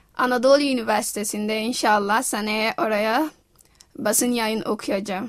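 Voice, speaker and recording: A woman speaks at a moderate pace against a quiet background, her pitch fairly high with ordinary pitch variation. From Gambia. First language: not Turkish; learning Turkish (speaking Turkish). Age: 20s. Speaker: international student; guest. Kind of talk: radio interview. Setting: radio studio, live broadcast. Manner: halting. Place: studio. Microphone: studio mic.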